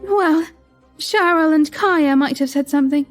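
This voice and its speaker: Naive young concubine. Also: female voice, sits high, a little slow, faint music behind. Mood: naive pleading. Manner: innocent, pleading, childlike. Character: naive young female royal concubine, tearful. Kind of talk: audio drama acting.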